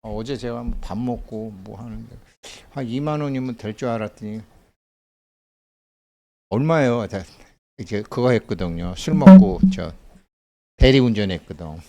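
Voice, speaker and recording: A man's voice: fairly low pitch, normal speed, creaky, pauses often, dark tone. A middle-aged man giving a casual lecture, chatty, telling stories and laughing often as he acts out little bits of dialogue.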